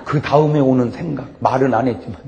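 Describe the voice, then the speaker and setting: A man preaching a humorous revival sermon as a pastor, telling animated stories with frequent laughter. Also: medium pitch, fast talker, gravelly, lo-fi sound. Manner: animated storytelling with frequent laughs and shouted punchlines. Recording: long hall reverb, faint background noise.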